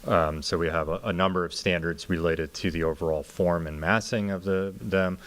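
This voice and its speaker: A man with an extremely deep voice presents as a planning consultant. He explains things informally, in the setting of a public council meeting. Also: steady tone, normal speed, fairly bright tone. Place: city council meeting room.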